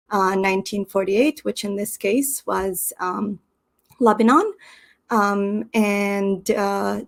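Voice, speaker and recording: Gravelly-voiced woman hosting a stream. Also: mid-range voice. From Canada. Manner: hesitant, many ums and uhs. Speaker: channel host. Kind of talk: casual explanatory talk. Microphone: stream setup.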